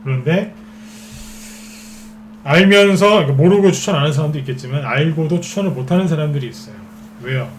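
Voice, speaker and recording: A man's voice: fairly high pitch, a little fast, pauses often, a little hiss or hum. A man giving a stock trading lecture as a market expert, who keeps asking rhetorical questions and answering them himself. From Seoul capital region.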